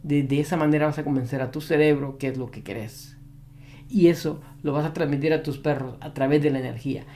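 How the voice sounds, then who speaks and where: A man's voice: a little high, steady tone, brisk, dark tone. A man who trains dogs giving an advice monologue to camera, repeating his key points with emphasis. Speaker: dog behavior trainer.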